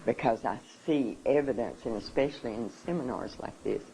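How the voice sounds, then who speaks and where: A speaker addressing a seminar audience, emotional and halting, often restarting sentences. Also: medium pitch, vocal fry, warm tone, slight background noise, low-quality recording. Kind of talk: personal talk to an audience.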